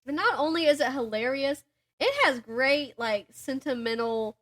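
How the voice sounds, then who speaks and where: As a podcast co-host, a young woman with a distinctly high voice rambles through everyday stories in a chatty, casual way, giggling as she goes. She speaks at a moderate pace in what sounds like friends chatting.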